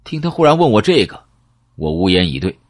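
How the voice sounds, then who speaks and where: A man's voice: lowish voice, very animated, brisk, no echo, clean studio sound. A man narrating a first-person audiobook with dramatic storytelling.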